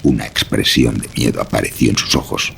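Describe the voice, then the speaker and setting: A man's voice: very deep voice, a little fast, fairly bright tone, slight background noise. A man narrating a scripted horror story. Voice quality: gravelly. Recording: music behind the voice.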